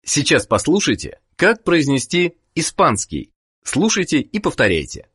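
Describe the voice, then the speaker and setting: Guy narrating a language course, kinda husky, lively up and down delivery. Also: a little high. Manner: measured, prompting the listener to repeat. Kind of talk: scripted instruction.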